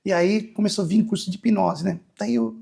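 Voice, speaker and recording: Man, slightly high husky voice, rambling anecdotes, casual interview guest. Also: a little fast, mellow. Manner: rambling anecdotal, frequent "né?" tags. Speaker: hypnotherapist guest.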